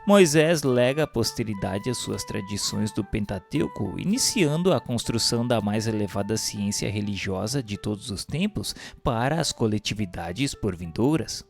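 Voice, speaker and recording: A man's voice: lowish voice, expressive, normal speed, gravelly, few pauses. A man with a Brazilian accent reads a scripted religious text as narrator, in a solemn, formal, declamatory manner. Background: instrumental music.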